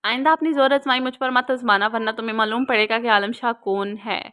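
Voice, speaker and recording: Controlling young man, threatening and harsh, read by a woman narrator in a fairly high, quick voice. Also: steady tone, pushed and bright, clear, resonant tone. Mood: menacing. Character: possessive, domineering young man.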